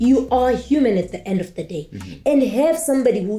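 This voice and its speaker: Speaking at a fairly quick pace, a woman uses lively intonation and a dark, mellow tone with vocal fry. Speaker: football referee. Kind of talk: interview answer. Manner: soft-spoken.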